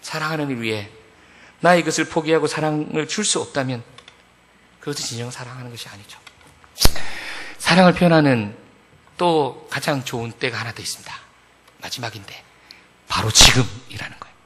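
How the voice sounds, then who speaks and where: A middle-aged male pastor delivering a sermon in an animated, storytelling way, speaking directly to his congregation. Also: medium pitch, a little fast, pauses often, a little hiss or hum. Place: church sanctuary. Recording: echoey church hall.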